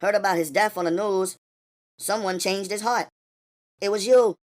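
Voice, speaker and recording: A man voicing a weary, mysterious woman with angelic powers, speaking calmly and knowingly. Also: moderate pace, natural voice. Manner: calm, knowing, low-key. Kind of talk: audiobook character voice.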